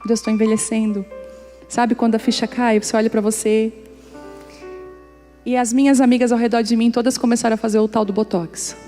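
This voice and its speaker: Woman pastor, higher-pitched mellow voice, preaching with jokes and acted-out dialogue, soft music behind. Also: brisk. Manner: lively, humorous, acts out dialogue in anecdotes. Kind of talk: storytelling sermon. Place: church service before a congregation.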